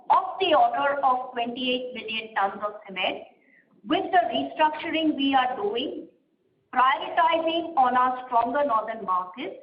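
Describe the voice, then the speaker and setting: A woman, a company executive answering questions on an earnings call in a measured, explanatory way, pausing often with "uh". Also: high-pitched. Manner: measured, explanatory, frequent "uh" pauses. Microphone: conference call line. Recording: roomy, slightly muffled conference line.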